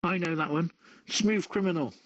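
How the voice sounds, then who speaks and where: A man's voice: a little high, moderate pace. A man chatting casually and jokingly as a contestant in a trivia game over voice chat. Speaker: quiz contestant. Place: online push-to-talk voice chat. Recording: dull lo-fi voice-chat audio.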